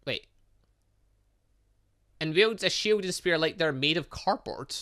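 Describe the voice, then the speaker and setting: A man's voice: fairly high pitch, takes it slowly. A man hosting a gaming video, commenting as he plays and reads game text aloud, sometimes stumbling over the words. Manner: animated, stumbles while reading aloud.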